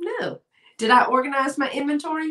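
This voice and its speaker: A woman speaks at a fairly slow pace in an animated tone. There is audible room echo, but the background is quiet. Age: 40s. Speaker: online vintage seller. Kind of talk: live sales stream. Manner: chatty, animated. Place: home room. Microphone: webcam.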